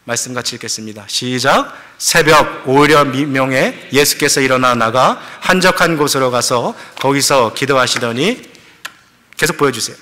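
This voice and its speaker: Bright-voiced pastor preaching. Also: male voice, mid-range voice, normal speed. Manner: lively storytelling with questions to the congregation; mixes English words into Korean. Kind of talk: sermon.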